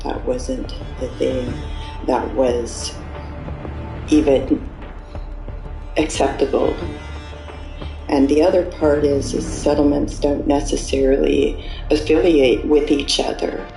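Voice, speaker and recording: A former Amish speaker, a native speaker of Pennsylvania Dutch, explains things in a slow, deliberate, measured way. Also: medium pitch, flat delivery, gravelly, warm tone. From Amish settlements in the US. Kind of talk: earnest explanatory talk. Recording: echoey room with music underneath.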